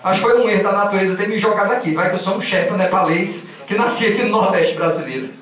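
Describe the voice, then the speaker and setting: A quick-talking man with a Northeastern Brazilian accent and a fairly high voice, energetic and joking as he walks the stage with a handheld mic. His voice rings through a large, echoing auditorium, picked up from some distance away. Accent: Northeastern Brazilian Portuguese. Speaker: motivational speaker. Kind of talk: motivational talk. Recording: echoey hall from far off.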